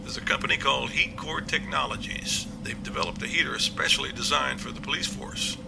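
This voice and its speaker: A man playing a confident police captain in an amateur audio drama, explaining things in a measured, matter-of-fact way. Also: mid-range voice, fairly even intonation, creaky, very noisy.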